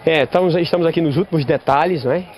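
A man with a notably high voice speaks as a pastor in a live interview. He explains things in a measured, inviting way, talking into a handheld reporter mic at an open-air venue under a big tent. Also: a little mellow, soft background music. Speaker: pastor and event organizer. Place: outdoor event venue under a large tent roof. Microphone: handheld reporter microphone.

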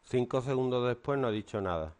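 A man's voice: mid-range voice, animated, fairly quick, a little mellow. A stern man, teaching and lecturing a class in a classroom. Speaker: English teacher.

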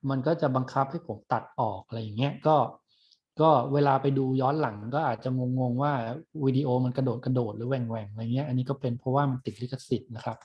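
A man's voice: medium pitch, steady tone, fast talker, dull audio. A middle-aged man giving a recorded university class lecture, chatting loosely with many fillers and restarts.

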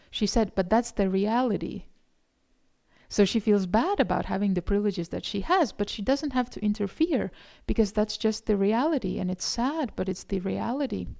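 A middle-aged woman from gives a conference lecture, explaining and reflecting in a halting, thoughtful way. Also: medium pitch, vocal fry, warm tone. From Eastern Europe. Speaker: academic keynote speaker. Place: indoor conference room, presenting in front of slides.

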